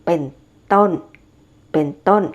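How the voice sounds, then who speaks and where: A woman's voice: slow, lo-fi sound. A woman giving a casual, chatty monthly tarot horoscope reading, often repeating herself and using fillers. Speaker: tarot reader.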